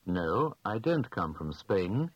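Low husky man, careful drill answers. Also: big pitch swings, dry recording, lo-fi sound. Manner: slow, clearly enunciated answers. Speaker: language lesson speaker. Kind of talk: scripted language drill.

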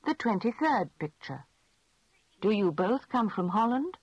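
A woman asking measured, clearly spoken questions in a scripted language lesson drill. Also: medium pitch, big pitch swings, dry recording. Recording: dull lo-fi dry recording.

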